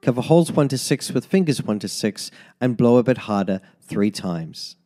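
Man calmly reading tin whistle lessons. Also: medium pitch, faint music behind. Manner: slow, methodical, repetitive step-by-step instructions. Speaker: music teacher. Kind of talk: scripted instructional voice-over.

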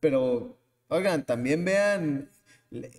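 A man talks through his views as a podcast host, rambling and stopping to answer his own questions. His voice sits a little high for a man. The sound rings out with a long, hall-like reverb. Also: animated, takes it slowly. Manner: rambling, restarts often, asks himself questions. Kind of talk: casual opinion monologue.

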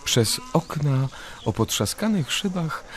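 A man's voice: on the high side, big pitch swings, slow pace, slight background noise. A man narrating a radio drama from a script.

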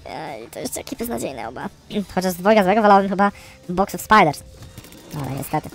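A man giving casual, chatty gameplay commentary as a streamer, grumbling along and breaking into frustrated yells. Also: high voice, lively intonation, brisk, vocal fry, faint music behind. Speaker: gaming streamer.

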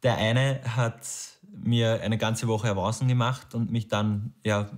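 A thirty-year-old man, talking in a relaxed, plain way in an interview at home. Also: on the low side. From Lower Austria. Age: 30s. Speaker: dating show candidate. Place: home kitchen.

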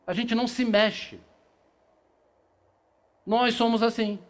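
A high-voiced, middle-aged Brazilian spiritist lecturer speaks slowly with fairly even intonation to a seated audience. He reads passages aloud, gestures, and answers his own rhetorical questions in a small meeting room with a projector screen. The audio comes from a far camera rather than a handheld mic.

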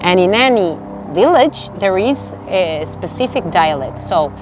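A woman's voice: mid-range voice, expressive, unhurried, over music. A young woman with an Italian accent explaining things in casual conversation as a vlog guest. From Italy. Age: young adult. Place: outdoors on a waterside walkway.

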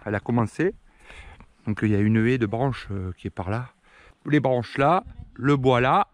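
A man's voice: mid-range voice, moderate pace, no room sound. A man in his forties, a tree surgeon vlogging to camera outdoors in a rural garden, chatty and joking with viewers and clients. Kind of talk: casual vlog talk to camera. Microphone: action camera held at arm's length. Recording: faint outdoor background noise.

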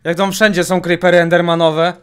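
A young man hosting a gaming channel, giving casual let's-play commentary and jumping into high yelps whenever he gets startled. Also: brisk. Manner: excitable, jumps to high-pitched yelps when startled. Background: game music.

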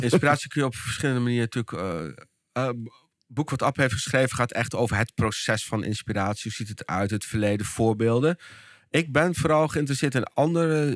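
Man, Dutch accent, thoughtful, halting, mid-pitched, dry sound. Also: no room sound. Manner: thoughtful, searching for words with many restarts. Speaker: podcast guest, behavioral scientist and speaker. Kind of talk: casual podcast conversation.

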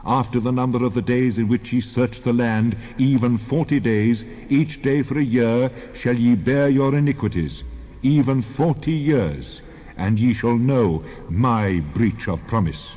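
A man playing a wrathful, solemn God, stern, measured and declamatory, in a dramatized Bible reading. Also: medium pitch, mellow, natural voice. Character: God, a wrathful, solemn male deity passing judgment. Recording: long hall reverb, dull sound.

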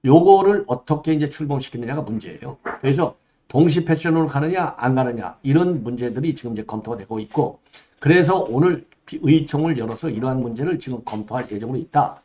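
A man's voice: mid-range voice, expressive, brisk, warm tone. Emphatic older man, dull lo-fi recording. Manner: emphatic, rhetorical questions, frequent "예" fillers. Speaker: political commentary host. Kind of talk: solo political commentary. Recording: dull lo-fi sound.

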